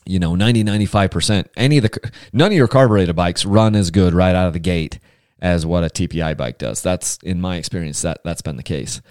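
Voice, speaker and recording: A man's voice: low-pitched, fairly quick, darkish tone, dry recording, studio quality. Chatty, rambling podcast host man. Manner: chatty, rambling, enthusiastic with restarts. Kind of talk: casual solo podcast.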